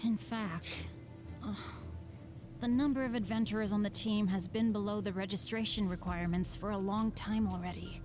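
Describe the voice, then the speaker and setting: A woman's voice: mid-range voice, steady tone, normal speed, over music, close to an everyday voice. A woman voicing an earnest, good-hearted, unlucky teenage boy adventurer in a video game. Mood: downcast, resigned. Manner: boyish, earnest. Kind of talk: video game character voice acting.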